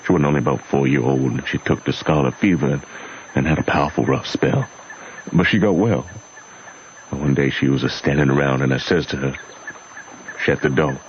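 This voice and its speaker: An actor playing a gentle, sorrowful runaway father in an old radio drama, speaking a folksy Southern US rural dialect. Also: a bass voice, a little fast, long pauses. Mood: remorseful. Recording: muffled, faintly noisy old radio recording.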